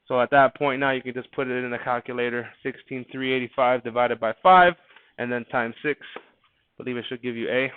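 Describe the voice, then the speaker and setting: A man teaching a math class goes over quiz answers in a casual, chatty way, often restarting and repeating words while he thinks. His medium-pitched voice is brisk with fairly even intonation, and the dry, narrow, phone-like recording carries a little hiss or hum.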